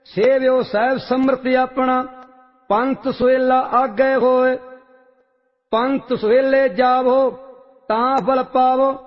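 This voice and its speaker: A man reciting religious hymns in a measured, sing-song chant. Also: extremely high pitch, steady tone. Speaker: scripture reciter. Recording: long reverb, dull lo-fi sound, faint music.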